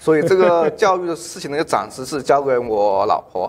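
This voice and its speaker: A man talks at a moderate pace in a fairly high pitch. His pitch varies in an ordinary way. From Hunan, China. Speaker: real estate agent and renovation business owner. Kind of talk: interview answer. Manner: hesitant, many fillers. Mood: calm, reflective. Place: studio. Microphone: lapel.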